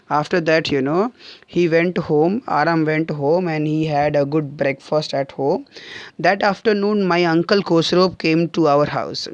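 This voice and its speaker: A man's voice: fairly high pitch, no echo, highs cut off. Indian male teacher paraphrasing a story. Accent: Indian English. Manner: reads a line then paraphrases it, with frequent "okay" and "uh"; clears his throat often. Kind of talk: online class explaining an English story line by line.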